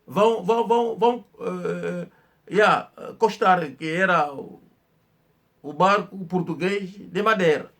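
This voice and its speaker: Um homem que conta história num tom informal, falando de forma enfática, com repetições e hesitações. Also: male voice, high voice, fairly bright tone. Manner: slow, emphatic storytelling with hesitations and repetitions. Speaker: channel host. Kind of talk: informal history talk.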